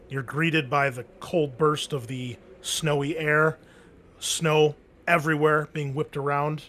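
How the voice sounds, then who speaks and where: A man's voice: on the high side, flat delivery, slow pace, fairly bright tone. A man working as game master, narrating and refereeing a tabletop roleplaying game in a casual way.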